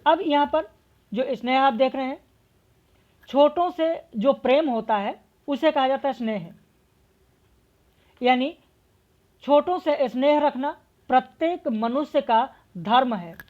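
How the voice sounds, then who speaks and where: A woman's voice: sits high, takes it slowly, long pauses, phone-quality sound. A woman teaching an exam-prep language lesson. She explains word meanings and spellings step by step, asks questions and answers them herself. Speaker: Hindi literature teacher.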